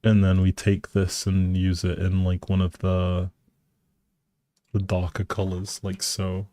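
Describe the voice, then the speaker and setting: A man's voice: low-pitched, monotone, unhurried, mellow, dry recording. A man chatting casually on a game stream, musing aloud over small choices and answering his viewers. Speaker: live streamer. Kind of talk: casual chat while playing a building game on stream.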